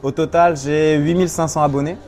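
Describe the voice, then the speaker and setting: A man's voice: a little high, level tone, brisk, darkish tone. A young man from Morocco, guest in a casual interview at a seminar, answering in a hesitant, easygoing way with many fillers. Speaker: guest blogger. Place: seminar venue.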